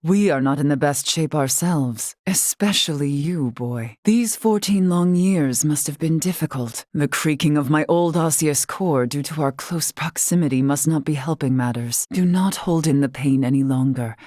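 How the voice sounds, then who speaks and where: A woman voicing a dignified, wise older tribal leader and warrior in a video game, with formal, archaic, measured diction. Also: deep voice, a little mellow, dry recording, studio quality. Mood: gentle, grave. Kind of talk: scripted video game voice acting.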